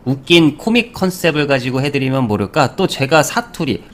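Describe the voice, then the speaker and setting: A man's voice: mid-range voice, big pitch swings, moderate pace. A man hosting a stock market channel, talking casually over charts, full of fillers, rhetorical questions and little puns.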